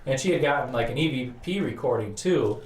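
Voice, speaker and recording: A man's voice: mid-range voice, lively intonation, fairly quick. A man co-hosting a ghost-hunting podcast, rambling through a story with lots of fillers. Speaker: ghost hunter co-host. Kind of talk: casual podcast chat. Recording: echoey, distant from the mic.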